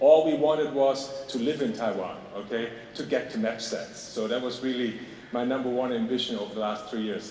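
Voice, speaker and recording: A man with a German accent talks at a fairly quick pace, medium pitch, and ordinary pitch variation. The room echo is audible and the background noise noticeable. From Germany. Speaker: business executive. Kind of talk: conference keynote speech.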